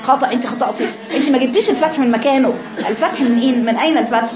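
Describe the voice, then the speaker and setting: An Egyptian woman teaching Quran recitation to a class, correcting students and demonstrating drawn-out chanted syllables. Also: on the high side, music in the background. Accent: Egyptian Arabic.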